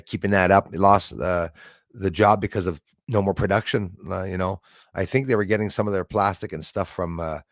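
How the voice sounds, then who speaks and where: A man's voice: deep voice, no room sound, studio quality. A man in his sixties hosting a casual live stream, chatting in a rambling way and thanking viewers by name. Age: 60s.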